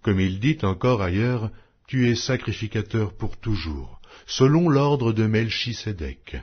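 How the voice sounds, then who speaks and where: A man reads scripture in a solemn, declamatory audiobook style. His voice is somewhat low and husky, rising and falling with lively intonation. The delivery is measured and formal. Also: muffled recording. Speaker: Bible narrator.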